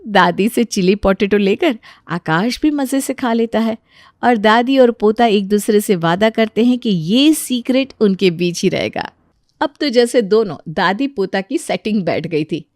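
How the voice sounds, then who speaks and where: A woman narrating a bedtime story in a calm, even storytelling way. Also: medium pitch, measured pace, no echo, studio quality.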